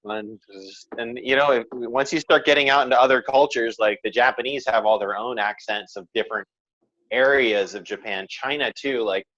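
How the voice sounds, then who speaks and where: Male podcast guest, mid-pitch, animated and laughing; dull, dry lo-fi sound. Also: moderate pace. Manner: animated, laughs while talking, slips into mimicry. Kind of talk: casual chat.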